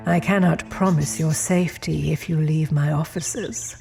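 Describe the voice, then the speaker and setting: A woman playing a genteel, imperious female demon in an audio drama, speaking formally with cool, measured politeness. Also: deep voice, fairly even intonation, creaky, mellow, faint music behind. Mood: gracious, warning.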